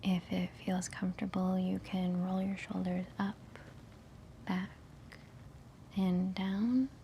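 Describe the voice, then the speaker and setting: Woman, meditation guide. Hushed whisper, very even delivery, unhurried and soothing, faint ambient noise behind. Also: on the low side. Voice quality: soft, breathy whisper. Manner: gentle, unhurried, soothing instruction with long pauses.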